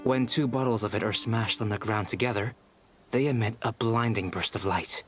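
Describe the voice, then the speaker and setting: An actor playing a calm, analytical young male alchemist in a fantasy video game, speaking in measured, precise, formal phrases. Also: on the low side, breathy edge, faint music behind. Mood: composed, analytical.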